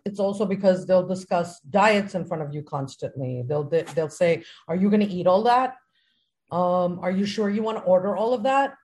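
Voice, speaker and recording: Podcast co-host: woman, lowish voice, candid and reflective storyteller. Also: darkish tone. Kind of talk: casual chat.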